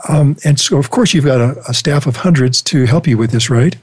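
A husky male interviewer whose questions ramble on and double back on themselves. His voice has a slightly rough, airy edge at an ordinary middle pitch. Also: a little fast, darkish tone. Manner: rambling, self-correcting questions. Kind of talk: conversational interview.

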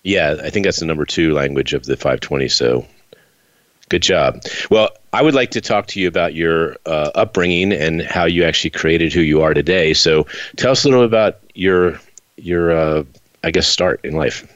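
A very deep-voiced man hosts an interview and asks long, chatty questions that wander. The sound is dry and close, with no room echo, and the audio is dull and lo-fi. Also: normal speed, a bit bright. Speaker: interviewer host.

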